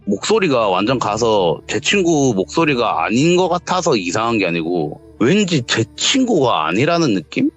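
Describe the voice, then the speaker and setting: A man with a medium-pitched voice casually tells a true ghost story at normal speed with hardly any pauses, animatedly acting out the voices in the dialogue he recounts. The audio is dull and lo-fi, with faint background music.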